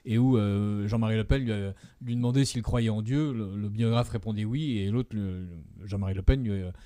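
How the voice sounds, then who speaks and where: Male panelist, low dark voice, dry close recording. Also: moderate pace, no echo. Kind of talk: casual panel discussion.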